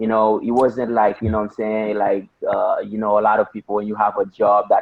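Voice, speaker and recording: A man speaks at a moderate pace with a strong Haitian accent. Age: 20s. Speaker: real estate wholesaler. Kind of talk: casual interview. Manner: halting.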